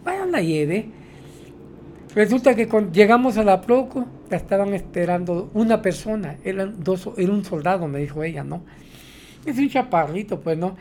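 A man's voice: sits high, lively intonation, normal speed, a little mellow, slight background noise. A man, a taxi driver, telling his stories in a rambling way, tagging his sentences with "¿no?". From Mexico. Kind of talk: storytelling interview.

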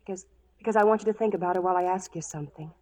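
Casting: a woman to play a proud, yearning pioneer woman for old-time radio western, low-pitched and direct. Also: very fast, mellow, close to an everyday voice. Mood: earnest, determined. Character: proud, lovelorn, bold frontier woman. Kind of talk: 1940s radio western acting.

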